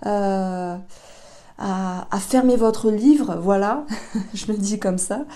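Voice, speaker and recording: A woman giving a tarot reading, talking gently and unhurriedly with fillers and self-corrections. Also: medium pitch, takes it slowly. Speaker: tarot reader.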